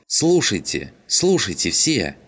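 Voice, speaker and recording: A man reading an audiobook, voicing a furious teenage girl who shouts and demands answers. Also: fairly low pitch, sing-song, moderate pace, husky, voice pushed up. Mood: angry, demanding. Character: angry teenage girl, tense and shrill.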